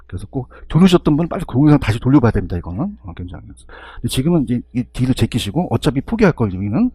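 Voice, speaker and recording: Husky, animated male exam lecturer. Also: medium pitch, fast talker, no echo. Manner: constant rhetorical questions and check-ins to students.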